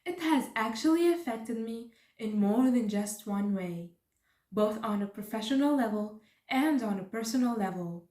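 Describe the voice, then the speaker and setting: Woman, slightly high pitch, distant mic, prepared student interview answer. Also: expressive, moderate pace, mellow. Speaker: student project member. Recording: roomy, distant microphone.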